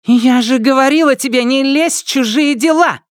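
A man voicing a spoiled, furious rich teenage girl in an audiobook, shrill, mocking and scornful. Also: moderate pace, clean tone, no echo, clean studio sound. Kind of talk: audiobook character voice.

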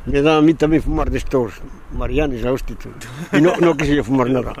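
A man's voice: medium pitch, brisk, a crowd in the background. An older man reminiscing casually, hesitating and repeating himself as he searches for words. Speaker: interviewee.

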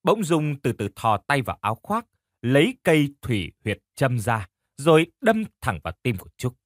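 A man's voice: mid-range voice, big pitch swings, normal speed, dry recording, studio quality. A man narrating a horror audiobook in an emotive, dramatic storytelling style.

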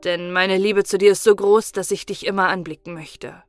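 A woman's voice: medium pitch, steady tone, normal speed, natural voice. A woman voicing a loving young coachman brother who speaks tenderly to his sister, over faint music.

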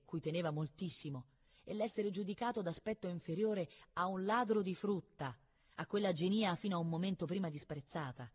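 Woman calmly reading a novel aloud. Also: lowish voice, husky. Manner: calm, measured narration. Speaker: reader.

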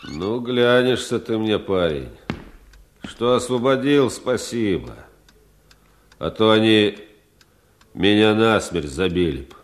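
An actor playing a sly, insolent captured bandit in a Russian radio drama, with a mocking, familiar way of talking. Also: male voice, on the low side, animated, slow pace, long pauses, slight background noise. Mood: mocking gratitude.

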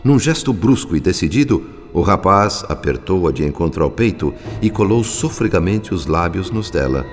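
A man narrating a radio drama in a measured, solemn style. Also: low-pitched, animated, in a large hall, soft background music.

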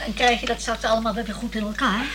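A woman's voice: a little high, steady tone, fast talker, background noise, close to an everyday voice. An actress playing a flustered, well-to-do older lady in a Dutch radio play, fretting and pleading in stammered repetitions. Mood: worried. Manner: fretful, stammering repetitions, exclaiming.

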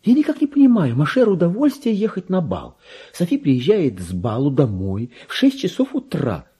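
A man's voice: a little high, huge pitch swings, normal speed, warm tone, husky, exaggerated voice. A man voicing a chatty, naive, pampered female lapdog reading out her gossipy letters in a theatrical radio play. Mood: confiding, fussy. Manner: prim, gossipy, singsong.

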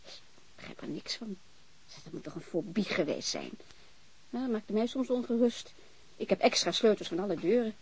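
Chatty blunt landlady, middle-aged woman, radio drama, husky voice w really animated pitch. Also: normal speed, long pauses. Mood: pensive. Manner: talkative, blunt, breaks off and restarts. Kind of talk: naturalistic radio drama acting.

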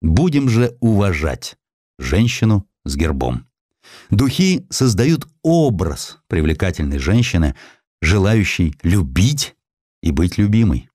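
A man reading a historical essay aloud as an audiobook narrator, in a measured, expressive way with emphatic rises. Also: deep voice, no room sound, studio quality.

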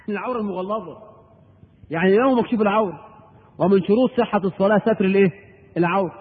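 A man with an Egyptian accent delivers a sermon in a high, breathy voice, pausing to ask rhetorical questions and repeat his points. The sound is thin and phone-like. A long reverb hangs after each phrase, as in a large hall. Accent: Egyptian Arabic. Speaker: preacher. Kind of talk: Islamic lecture with audience questions. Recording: echoey hall over a tinny narrow line.

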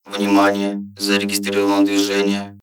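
A man voicing a flat machine system alert, clipped like an announcement. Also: lowish voice, moderate pace, echoey room, soft background music, natural voice.

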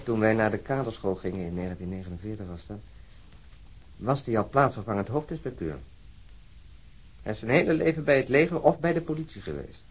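Radio drama: earnest, disillusioned male cop, lowish husky voice, deliberate and wryly lecturing delivery. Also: expressive. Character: disillusioned, earnest male Stockholm police officer, talking at length. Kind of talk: naturalistic radio drama acting.

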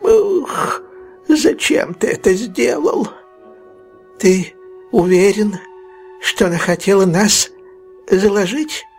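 Shrill wailing old miser. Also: male voice, very animated, drawn-out words, long pauses, a bit bright, soft background music, heavily acted. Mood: alarmed. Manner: wailing, panicky cries. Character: shrill frantic old male fence, miserly.

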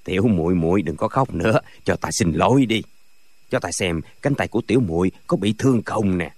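A man playing a flustered older sect leader who coaxes and apologizes in a lowered voice. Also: normal speed, breathy edge, no echo. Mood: coaxing.

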